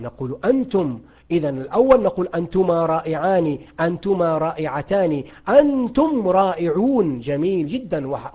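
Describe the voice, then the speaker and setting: Male grammar teacher, slightly high, husky voice; coaxing and quizzing his class. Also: a little mellow, muffled recording. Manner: asks students questions and praises their answers. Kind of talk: online grammar lesson.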